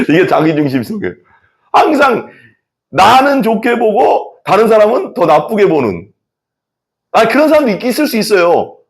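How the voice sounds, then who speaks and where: A man's voice: high-pitched, moderate pace. A man in his thirties preaching a sermon as a pastor, acting out quoted thoughts with laughs. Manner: lively, acts out quoted inner thoughts with laughs.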